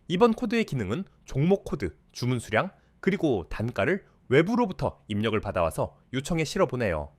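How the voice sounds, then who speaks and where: A man calmly narrating a step-by-step coding tutorial in polite, scripted instructions. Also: mid-range voice, no echo.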